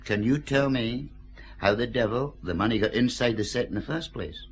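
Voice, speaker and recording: An actor playing a dry, self-satisfied police forensic scientist explaining evidence in a radio drama. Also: male voice, mid-range voice, moderate pace, a little hiss or hum, lightly acted. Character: wry Glasgow police forensic scientist, pleased with himself.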